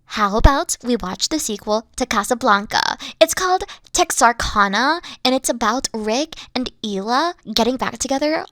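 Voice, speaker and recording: A woman playing a haughty but secretly soft, dorky evil queen in a roleplay audio, pompous, theatrical and easily flustered. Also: on the high side, expressive, moderate pace, few pauses, no echo. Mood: playful, imperious. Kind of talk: playful roleplay audio acting.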